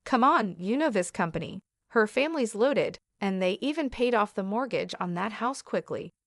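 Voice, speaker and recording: A woman's voice: medium pitch, animated, moderate pace, dry recording, clean studio sound, close to an everyday voice. A woman reading as a sneering, gloating ex-husband. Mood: boastful. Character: smug boastful young ex-husband.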